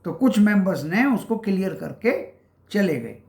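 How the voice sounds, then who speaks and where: A man hosts a stock market channel, his voice sitting fairly high. He talks his viewers through the day's price levels in a casual, halting way, calling them friends. The sound rings around an echoey room. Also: big pitch swings, creaky, darkish tone. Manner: addresses viewers as friends, explains levels with many pauses.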